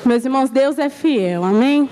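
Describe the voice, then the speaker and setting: A woman's voice: high voice, lively intonation, normal speed, dark tone, a little hiss or hum. A woman giving a church testimony, telling her story with animation and acting out the voices of the people she quotes.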